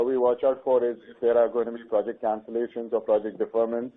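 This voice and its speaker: A man answering questions as a company executive on an earnings call. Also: mid-range voice. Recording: tinny narrowband conference phone line.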